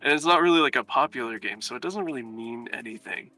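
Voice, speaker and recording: An easygoing young American man talks as a guest, his mid-pitched voice bright and forward. His joking, laid-back manner sits over faint music. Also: animated, fast. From United States. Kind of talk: casual chat.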